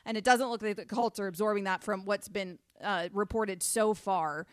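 A woman hosting a sports talk radio show, reading promos and questioning a guest in a brisk, upbeat, conversational way. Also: medium pitch, fairly even intonation, no room sound, studio quality. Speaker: radio host. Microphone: studio microphone.

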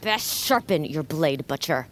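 A woman's voice: sits low, animated, measured pace, a little hiss or hum. An actress playing a menacing tribal warrior woman who taunts in a sneering, theatrical, archaic way, in a fantasy audio drama. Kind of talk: cinematic audio drama acting.

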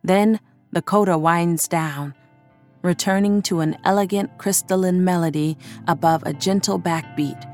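Slow, solemn woman narrating fiction. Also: lowish voice, a little mellow, faint music behind. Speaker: story narrator. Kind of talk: literary audio fiction narration, first person.

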